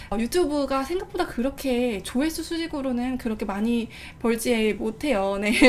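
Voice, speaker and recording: Lively, high-pitched female speech against noticeable background noise. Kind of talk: casual vlog talk. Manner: fast.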